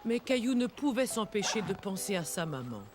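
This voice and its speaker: A woman giving scripted, gentle storybook-style narration for a children's cartoon, with music behind her. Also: medium pitch, big pitch swings, moderate pace, natural voice. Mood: gentle storytelling.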